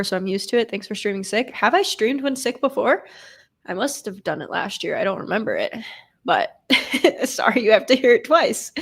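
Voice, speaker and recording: A woman streamer with a stuffy nose from a cold, giving casual play-by-play of a football game and chatting with her viewers. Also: a little high. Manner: chatty, swears casually, reads and answers chat. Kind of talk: casual live play-by-play commentary with chat. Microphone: desk streaming microphone.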